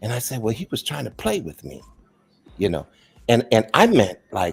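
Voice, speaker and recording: Speaking at a moderate pace with vocal fry, a man with a fairly low pitch makes very wide pitch swings and big swings in loudness. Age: 60s. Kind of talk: testimony.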